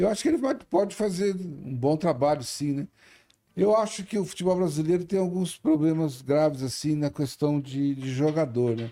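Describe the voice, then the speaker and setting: Set against a silent background in a very clean recording, a man with a dark, mellow tone and a fairly high pitch speaks at a moderate pace with lively intonation. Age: 70s. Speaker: sports journalist. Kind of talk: casual chat.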